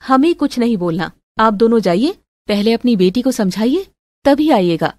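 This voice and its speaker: A woman's voice: fairly high pitch, animated, moderate pace, a little mellow, dry recording, studio quality, natural voice. A woman voicing a stern, accusing middle-aged mother-in-law in a melodramatic family story. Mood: cold, dismissive. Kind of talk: melodramatic audio story acting.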